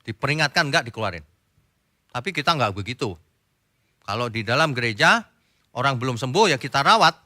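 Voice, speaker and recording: A man's voice: mid-range voice, expressive, fairly quick, pauses often, bright, forceful tone, dry recording, studio quality. A male pastor preaching a sermon in a direct, conversational way, often acting out little dialogues.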